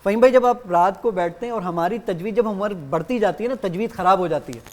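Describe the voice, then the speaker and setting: A man appearing as a guest on a TV show, demonstrating his app in lively detail and acting out both sides of his exchanges with it. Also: sits high. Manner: animated explainer who acts out exchanges with the app.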